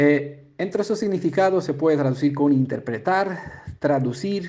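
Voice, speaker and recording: A man's voice with a non-native accent and ordinary pitch variation. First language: not Spanish (speaking Spanish). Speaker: bible teacher. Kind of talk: teaching. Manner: halting, frequent 'eh' fillers.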